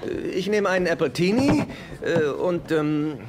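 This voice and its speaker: A man's voice: a little high, big pitch swings, a little slow. An actor playing a nervous, broke middle-aged man in a dubbed sitcom, flustered, stammering and sarcastic. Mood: wry. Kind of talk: German-dubbed sitcom acting.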